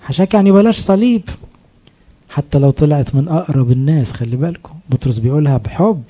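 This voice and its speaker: A man with an Egyptian accent preaching a colloquial sermon, lively, often asking his listeners questions and acting out the voices he quotes. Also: on the high side, fast, slightly rough. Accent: Egyptian Arabic. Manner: animated, asks the audience questions, acts out quoted voices. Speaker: priest.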